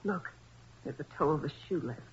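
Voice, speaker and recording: An actress playing a spirited, loyal young American assistant to a detective in a 1940s radio drama, eager and expressive. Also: female voice, deep voice, brisk, a little hiss or hum. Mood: horrified. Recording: muffled, dull vintage 1940s radio recording.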